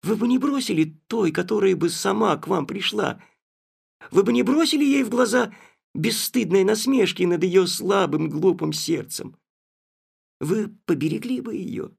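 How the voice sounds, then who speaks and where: A wounded, tearful young woman pours out her pleas in a classic audiobook, as a male reader puts her on. The voice is lifted high above his usual register, yet it keeps a gravelly, husky grain underneath. Her questions come breathless and urgent. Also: moderate pace, exaggerated voice. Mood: pleading, distraught. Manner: breathless, emotional pleading. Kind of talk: audiobook character reading.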